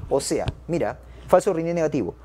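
Man, medical lecturer, exam-prep class, lively pitch, warm timbre, checks in with listeners. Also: a little fast, a little hiss or hum. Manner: addresses the audience as doctors.

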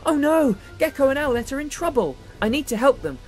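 A woman's voice: high voice, big pitch swings, a little fast, a little mellow, voice pushed up. A woman voicing an earnest, brave child superhero in an exclamatory way for a children's toy story. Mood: alarmed. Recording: music behind the voice.

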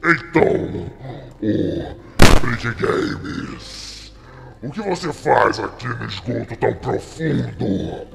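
A man with a Brazilian accent voicing a menacing, mocking clown monster in a gravelly, theatrical voice for a horror game role-play. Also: mid-range voice, expressive, background noise, heavily acted. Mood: mocking, sly. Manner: drawn-out, taunting, theatrical.

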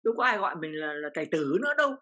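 A woman's voice: lowish voice, sing-song, rapid-fire, bright, forceful tone. An older woman from Vietnam, an interview guest, telling a personal story with feeling and repeating phrases as her voice rises.

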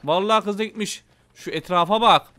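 Speaking a little fast and pitched high, the Turkish-accented gaming YouTuber keeps up lively, informal commentary for viewers, sprinkled with good-natured swearing.

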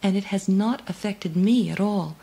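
A woman's voice: mid-range voice, normal speed, vocal fry, warm tone, breathy edge. A woman voicing an earnest young woman scientist in a read-along story, speaking urgently and insistently.

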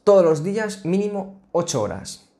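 A man's voice: sits high, moderate pace. A man in his twenties talking casually to his webcam from a small home office, chatty and full of restarts. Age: 20s. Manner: chatty, restarts and filler sounds, animated hand gestures. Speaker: student vlogger. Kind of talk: casual explainer vlog. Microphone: laptop webcam, framed at a desk.

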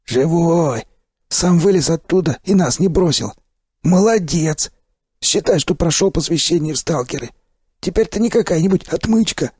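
A man voicing a hoarse, wisecracking veteran male stalker who talks brashly and gives orders in an audiobook. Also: on the high side, lively intonation, normal speed, darkish tone, no echo, studio quality, voice pushed up. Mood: jovial. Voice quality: hoarse, wheezy. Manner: brash, bossy and joking.

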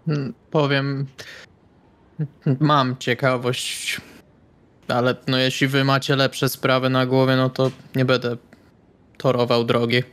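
A man's voice: medium pitch, flat delivery, takes it slowly, pauses often, a bit bright. A man playing a tabletop roleplaying game, talking casually in character in an understated, hesitant way.

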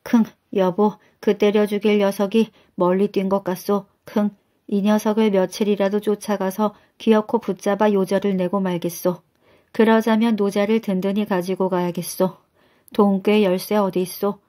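A woman voicing a sly loafer who imitates a nasal old man, snorting and speaking in hushed, smug tones. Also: mid-range voice, little pitch movement, moderate pace, lightly acted. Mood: hurried.

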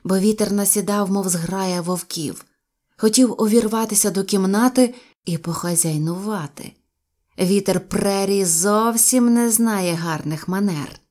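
A woman narrating a children's story aloud with a lively, expressive reading. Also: medium pitch, a little slow. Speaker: audiobook narrator.

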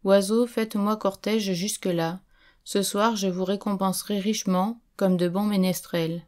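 A woman's voice: mid-range voice, fairly even intonation, moderate pace, a little mellow, natural voice. Grieving medieval queen, reproachful, stately, mid-range voice, as a woman narrator reads her.

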